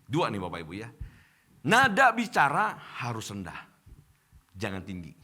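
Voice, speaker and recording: A man's voice: lowish voice, normal speed. A middle-aged male pastor with an Indonesian accent preaching a sermon to his congregation in church, addressing them directly. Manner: addresses congregation as Bapak Ibu, animated preaching.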